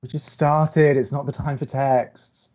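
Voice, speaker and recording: The recording is a little dull and lo-fi. A man acts a prickly male college radio host in an audio romantic comedy, sounding dry and put-upon. He turns halting and awkward whenever he gets flustered. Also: mid-range voice, little pitch movement, darkish tone, natural voice. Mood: exasperated.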